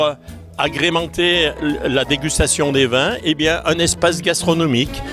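A man describing the fair and its local products, inviting people to come. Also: a little high. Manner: listing, inviting.

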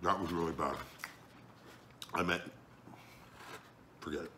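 Low-voiced man talking with his mouth full. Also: fairly even intonation, unhurried, background noise. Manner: crude, blunt and swearing, rambling jokes. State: talking while chewing. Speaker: mukbang vlogger. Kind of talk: casual chat while eating.

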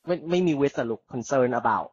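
Brief: male tutor, lively intonation, unhurried, dry dull stream audio. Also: mid-range voice, no room sound. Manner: coaching, models sample answers slowly and clearly. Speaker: IELTS speaking tutor. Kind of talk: live online language lesson.

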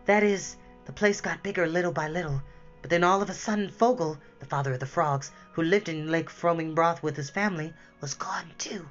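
A storybook reader voicing a frightened, fluttering will-o'-the-wisp spirit who rushes anxiously through his words. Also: mid-range voice, dull audio, faint music behind, natural voice. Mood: worried explaining. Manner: anxious, breathless, rushing.

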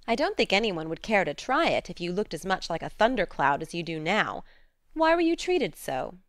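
A woman's voice: on the low side, sing-song, normal speed, dry recording. A woman voicing a spirited, sensible teenage girl in a storybook, coaxing and frank. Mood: soothing, curious. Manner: soothing, frank. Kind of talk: storybook character dialogue.

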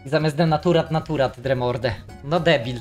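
A man's voice: medium pitch, a little fast, soft background music. A man hosting a stream, casually reacting to memes in a loose, profane way. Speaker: streamer host.

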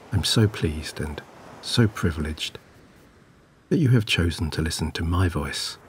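A man narrating a scripted guided sleep meditation in a soothing, gentle, measured way. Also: low-pitched, slight background noise. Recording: clear background ambience of waves. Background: relaxing ocean wave sounds.

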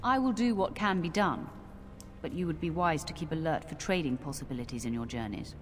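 A woman's voice: low voice, normal speed, slight background noise, close to an everyday voice. An actress playing a polite, businesslike female trade steward in a fantasy game. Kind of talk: video game dialogue.

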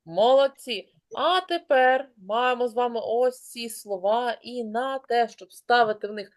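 A woman teaching an online class, brisk and encouraging, calling on pupils by name. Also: fairly high pitch.

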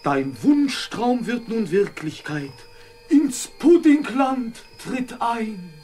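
A man's voice: very high voice, big pitch swings, a little mellow, soft background music, full character voice. A man playing a magical talking pudding in a children's radio play, chanting rhymes in a sing-song manner. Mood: inviting, enchanting. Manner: slow, sing-song rhyming delivery.

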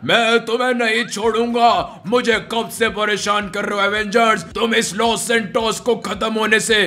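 A sinister zombie armored villain voiced by a man talks down at his foes in a slow, gloating drawl. The voice sits well below the performer's usual high tone yet stays bright and forceful. This is game-video acting with cackling menace. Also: flat delivery. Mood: menacing.

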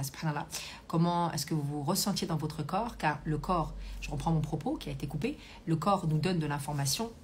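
Woman coach doing a live stream, lowish voice, chatty, lots of ums, faint hiss behind. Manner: chatty, reads comments aloud, many fillers. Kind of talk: casual live stream chat and coaching talk. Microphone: Bluetooth hands-free earpiece.

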